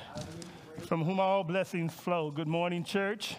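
Noticeable background noise sits behind a man's voice. He speaks high for a man, with ordinary pitch variation. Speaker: preacher. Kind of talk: sermon. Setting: church. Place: church.

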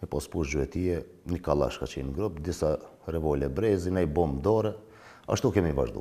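Vocal fry runs through a man's very deep, low voice, dark and mellow in tone, at a fairly quick pace. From Kosovo, Drenica region; Kosovo. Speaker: war veteran; interview guest. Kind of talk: interview. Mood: emotional war recollection. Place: studio.

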